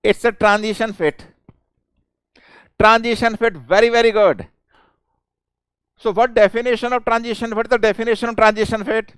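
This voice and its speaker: Male online lecturer, South Indian accent, high clear voice, dry sound, insistent repetition, informal classroom coaxing. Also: no echo. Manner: repeats questions and phrases insistently; chuckling, informal, coaxing students. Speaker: teacher of an online engineering class. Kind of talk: live interactive exam-prep lecture.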